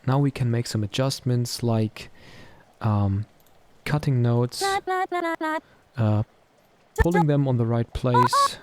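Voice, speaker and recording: A man with a medium-pitched voice narrates a software tutorial. He explains things step by step in a casual way, as a presenter would. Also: very animated, takes it slowly, pauses often, no echo.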